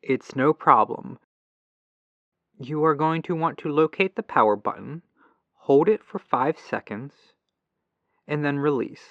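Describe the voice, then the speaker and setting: A man's voice: a little high, unhurried, long pauses, no echo. Guy acting as polite robot tech support dude on a dull dry phone line, patient n reassuring, asmr roleplay. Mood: patient, instructive. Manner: reassuring, methodical, helpful. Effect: telephone lo-fi filter. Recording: dull lo-fi telephone sound.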